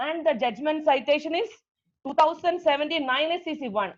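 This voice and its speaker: Female law lecturer, high-pitched, unhurried, explanatory, dull recording. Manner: explanatory, repeats key terms, slow deliberate English phrases. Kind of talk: law lecture mixing English and Malayalam.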